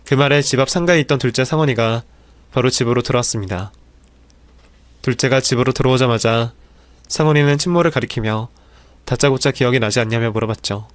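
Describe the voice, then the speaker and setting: A man narrating a dramatic story in a steady, even reading voice. His pitch sits in the middle for a man. The recording is dry and close, with no room sound. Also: fairly quick, dry recording.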